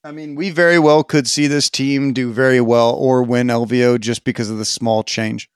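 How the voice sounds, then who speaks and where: A man co-hosting a casual gaming podcast, talking in an animated, sarcastic way. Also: mid-range voice, normal speed, clean tone, no room sound, studio quality. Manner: animated, sarcastic, swings loud and quiet. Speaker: podcast co-host.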